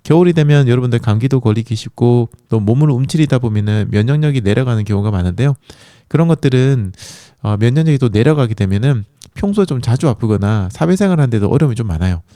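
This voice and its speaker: A man's voice: medium pitch, expressive, quick pace, warm tone, no echo, studio quality. A man hosting a running podcast in a chatty, encouraging monologue, with a sore throat from a coming cold. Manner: encouraging, chatty, many fillers.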